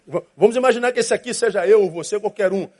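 A man, preaching a lively, jokey sermon as a pastor and acting out little voices as he goes. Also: sits high, quick pace. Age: 50s.

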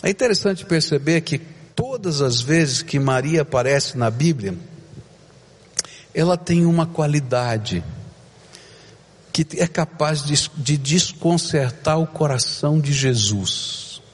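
A male pastor preaching a sermon, with dramatic swings between loud emphasis and hushed, slow moments. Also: a little high, lively intonation, breathy edge, in a large hall.

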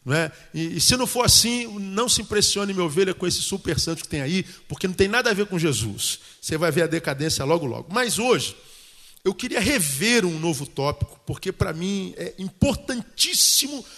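A man preaches in a lively, colloquial way and keeps turning to the congregation with questions. His voice sits high and rings bright and forceful. Long reverb from the church hall trails behind him. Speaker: pastor. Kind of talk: sermon.

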